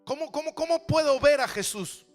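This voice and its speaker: A man's voice: very high voice, moderate pace, soft background music. A man pastor preaching a sermon, asking rhetorical questions and repeating phrases for emphasis. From Argentina.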